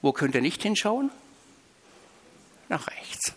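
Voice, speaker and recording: A man from Switzerland, preaching a sermon with emphatic, drawn-out stressed phrases. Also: fairly high pitch, sing-song, slight background noise. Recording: reverberant hall.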